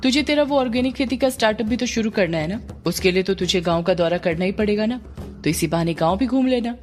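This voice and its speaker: A woman's voice: medium pitch, animated, fast talker, faint music behind, natural voice. A woman voicing a young man who keeps coaxing and teasing his friend in a pushy way. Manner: insistent, coaxing.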